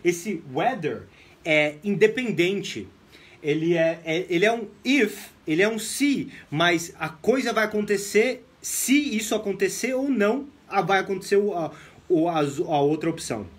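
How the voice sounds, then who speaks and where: A young man from Brazil runs a lively live-streamed English class, blending English phrases into his explanations, his voice sitting high and moving a little slowly.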